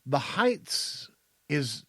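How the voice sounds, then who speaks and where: A man's voice: fairly high pitch, sing-song, drawn-out words, a bit bright, breathy edge, no room sound, clean studio sound. A man in his fifties with an American accent, bantering casually and crudely as a podcast co-host, with emphatic delivery. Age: 50s.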